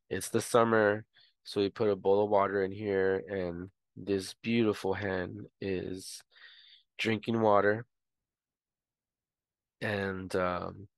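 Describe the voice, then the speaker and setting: Low-voiced guy talking through a backyard tutorial, loose and easygoing, lots of ums, dry close mic. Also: dry recording. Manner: relaxed, rambling with many fillers. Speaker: homestead educator. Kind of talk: casual tutorial voice-over.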